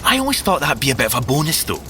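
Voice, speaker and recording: An actor playing an excitable, grumbly young male tech-genius agent with a Scottish accent and a wry, geeky manner in an audio drama. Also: mid-range voice, very fast, a little hiss or hum. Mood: awed, wry. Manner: expressive, wry, boyishly geeky. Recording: music under the voice.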